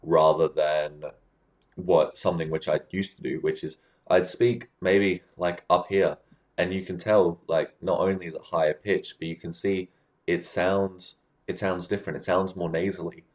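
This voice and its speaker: A man with a very low voice talks straight to camera, giving laid-back advice on communication. He explains things plainly and keeps checking in with the listener as he goes. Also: normal speed, highs cut off. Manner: relaxed, explanatory, checks in with "right?". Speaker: communication coach. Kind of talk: casual advice talk to camera.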